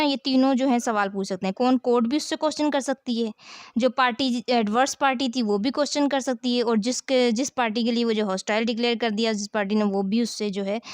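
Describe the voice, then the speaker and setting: A woman's voice: fairly high pitch, smooth, dry recording, clean studio sound. A woman with a South Asian accent giving an explanatory lecture as a law teacher, didactic, posing questions and answering them, repeating key phrases.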